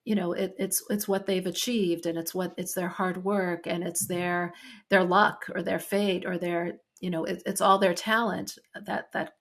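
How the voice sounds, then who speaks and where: Thoughtful woman interviewer, lowish voice. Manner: thoughtful, summarizing what the guest said. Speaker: interviewer, host. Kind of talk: conversational interview.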